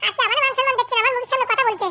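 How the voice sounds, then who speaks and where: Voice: extremely high pitch, steady tone, racing, sharp tone, exaggerated voice. A performer voicing a scheming, bossy cartoon mother who scolds and argues. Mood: indignant. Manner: scolding, argumentative. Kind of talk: comedy cartoon dialogue.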